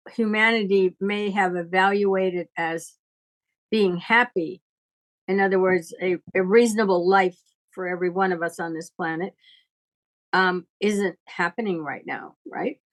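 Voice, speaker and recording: A woman's voice: medium pitch, steady tone, measured pace, pauses often. An older woman talking off the cuff like a teacher in conversation, blunt and probing. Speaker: astrologer giving teachings.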